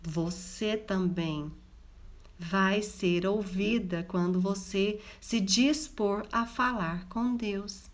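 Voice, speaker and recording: A woman's voice: medium pitch, extremely slow. A woman with a Goiás Brazilian accent, giving a live devotional talk and speaking straight to her listeners. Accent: Goiás Brazilian Portuguese. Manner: addresses listeners directly, animated. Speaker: Christian women's mentor.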